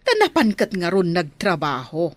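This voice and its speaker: A woman voicing a gentle mother giving her daughter advice, in a radio drama. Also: fairly low pitch, wildly swooping pitch, normal speed.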